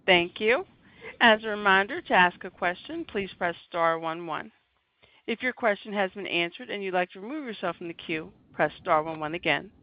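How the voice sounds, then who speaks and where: A woman's voice: lowish voice, animated, moderate pace. A woman giving formal, scripted instructions as a conference call operator. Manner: formal, procedural. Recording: dry, slightly dull call audio.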